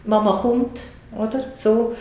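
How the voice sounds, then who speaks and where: A woman with a Swiss German accent calmly explaining how to soothe and talk to small children in a casual conversation. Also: a little high, slow pace, echoey room, slight background noise. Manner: calm, explanatory, acts out soothing words to a baby.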